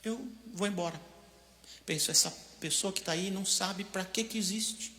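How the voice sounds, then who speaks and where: A Brazilian pastor preaching a storytelling sermon, swinging from hushed asides to loud outbursts, in a church hall. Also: male voice, sits high, normal speed. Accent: Brazilian Portuguese.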